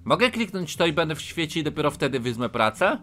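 A man streaming a truck game, yelling and swearing at other players, switching into broken English taunts. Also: a little high, very animated, fast talker. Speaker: gaming streamer. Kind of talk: loud, profane live gameplay commentary.

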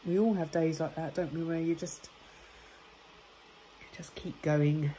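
A woman in her forties talks casually into a phone held at arm's length, her voice low and mellow. Her nose sounds blocked, giving a congested tone, and a faint hiss of background noise sits behind her. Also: fairly even intonation, unhurried, poor audio. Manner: chatty, chirpy and warm. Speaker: vlogger. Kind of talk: casual daily vlog chat. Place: home and car, indoors. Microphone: phone camera at arm's length.

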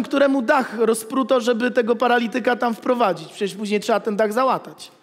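A man in his thirties, a pastor, preaching an animated sermon with jokes, at a pulpit in a church hall. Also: extremely high pitch. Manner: animated, gestures while preaching, jokes with the congregation. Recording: long reverb of a church hall.

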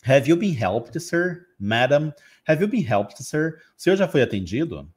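A man from Brazil teaching an online English lesson, explaining patiently and repeating phrases slowly for practice. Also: on the high side, big pitch swings, husky.

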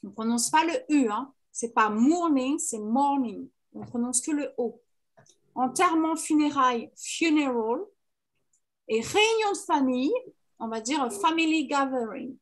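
High-voiced teacher drilling vocabulary. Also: female voice, lively intonation, normal speed. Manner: clear, patient drilling of vocabulary. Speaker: English teacher. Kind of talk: online class lesson.

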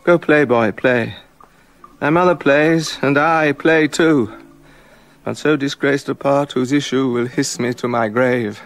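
A man's voice: mid-range voice, fairly bright tone. An actor playing a jealous, brooding king in a radio drama, muttering bitter asides and building to angry accusation. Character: jealous brooding king, middle-aged man.

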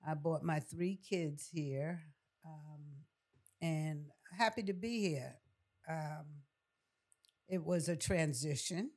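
Slow, measured older woman. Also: deep voice, a little mellow. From from New York City. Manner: measured, deliberate, pausing. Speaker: podcast guest. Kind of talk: reflective conversational interview. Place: small furnished podcast studio. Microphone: close boom-arm studio mic with headset.

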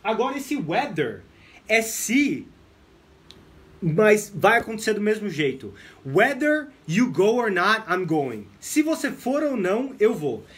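Brazilian guy teaching english live, upbeat, slightly high voice, keeps switching to english. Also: measured pace. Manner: lively, mixes English phrases into Portuguese explanations. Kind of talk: live-streamed English lesson.

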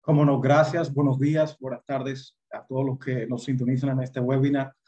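A middle-aged man giving a measured, formal webinar presentation over a video call. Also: medium pitch, little pitch movement, warm tone. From Dominican Republic. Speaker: guest lecturer, lawyer. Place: indoor room on a video call. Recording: dull video-call audio.

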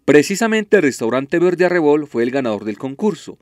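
A man reading a news voice-over in a steady, scripted way. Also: a little high, a little fast, faint music behind. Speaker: news reporter.

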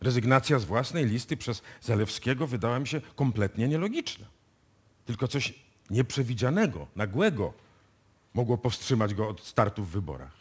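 An actor playing a shrewd, self-assured police inspector in a radio play, explaining deliberately and with authority. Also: male voice, mid-range voice, expressive, slightly rough. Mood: sly, assured. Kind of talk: live radio play acting.

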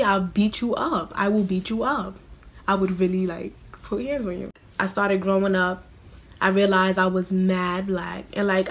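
A woman's voice: medium pitch, a bit bright. A young American woman talks straight to a close camera in a small room, answering viewer questions. Her delivery is blunt and casual, loaded with slang and "like" fillers, and never sounds rehearsed. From United States. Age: young adult. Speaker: vlogger.

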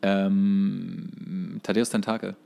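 A man with a fairly low voice chats as a podcast co-host. He explains trivia in an informal, conversational way. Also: fairly even intonation, extremely slow, gravelly, warm tone. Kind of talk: casual chat, explaining trivia.

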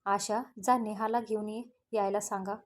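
A woman voicing a calm, firm middle-aged father who speaks with quiet assurance. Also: medium pitch, normal speed, close to an everyday voice. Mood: assured.

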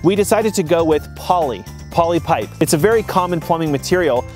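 A man's voice: fairly high pitch, lively intonation, fairly quick, darkish tone, faint music behind. A man in his thirties walks through his homestead's water system in a casual, step-by-step way, recorded outdoors in the snow by a camera a few feet away. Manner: practical, plainspoken, explains step by step. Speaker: homesteading vlogger. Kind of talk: casual explainer vlog.

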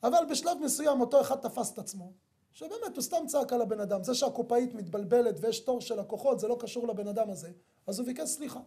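Mellow-voiced rabbi preaching emphatically. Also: male voice, very high voice, lively intonation. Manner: emphatic, addresses listeners directly with rhetorical questions. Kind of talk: sermon with storytelling.

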